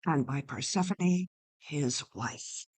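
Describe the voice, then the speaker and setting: Slow, low-pitched, dramatic woman narrator. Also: darkish tone, husky. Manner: deliberate, dramatic. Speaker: playwright reading own play. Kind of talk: dramatic scripted narration with stage directions.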